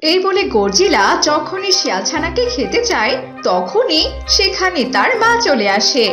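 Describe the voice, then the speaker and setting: A woman's voice: high voice, sing-song, a little slow. A woman narrating a scripted children's cartoon story. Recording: roomy echo, clear music behind.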